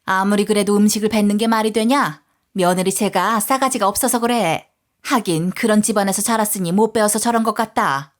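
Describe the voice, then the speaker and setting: A woman's voice: medium pitch, a little fast, natural voice. A woman voicing a harsh, scornful older mother-in-law in a story reading, speaking in curt, scolding phrases.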